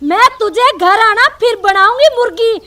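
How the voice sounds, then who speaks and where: A woman's voice: very high voice, normal speed, sharp tone, a little hiss or hum. A woman playing a bossy mother-in-law who taunts and threatens in a comedy telefilm. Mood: scolding. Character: bossy scolding middle-aged mother-in-law.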